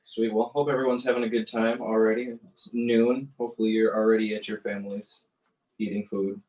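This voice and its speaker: A man's voice: lowish voice, little pitch movement, fairly quick, darkish tone, distant mic, poor audio. A man co-hosting a podcast in casual chat, laid-back and slangy with "uh" fillers. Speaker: podcast co-host.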